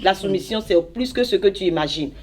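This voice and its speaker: A woman's voice: medium pitch, expressive, a little fast. Woman preaching emphatically. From Benin. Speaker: evangelist. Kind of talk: exhortation in a church interview.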